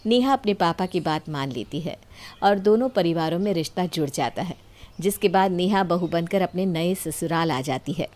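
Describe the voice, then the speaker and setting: A woman's voice: on the low side, expressive, moderate pace, a little mellow. A woman reading a scripted story as the storyteller.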